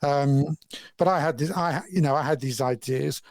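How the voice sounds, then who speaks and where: An older man, a music industry lawyer, talking in a modest, measured way with many fillers as a podcast guest. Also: fairly high pitch, a little mellow, no room sound. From born in Scotland, grew up in London. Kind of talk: casual interview chat.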